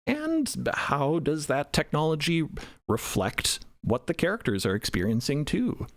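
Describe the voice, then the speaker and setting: A man's voice: on the high side, measured pace, dry recording. A man, one of the show's creators, chatting casually and playfully in a roundtable, with lots of fillers. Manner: animated, playful, rambling with fillers. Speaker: podcast co-creator.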